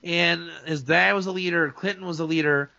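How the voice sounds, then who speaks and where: A man's voice: a little high, fairly even intonation, moderate pace, gravelly, pushed and bright, no echo, highs cut off. A man, a rabbi, talking in a casual, opinionated talk-show chat, emphatic and full of restarts and asides. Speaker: rabbi and guest speaker.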